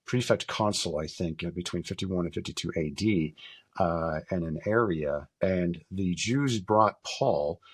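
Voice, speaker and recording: A middle-aged American man from northern Minnesota talking reflectively as an interview guest, candid and halting in his delivery. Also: deep voice, slightly rough. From northern Minnesota, United States. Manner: candid, halting, casually profane. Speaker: podcast guest, military veteran and survival instructor.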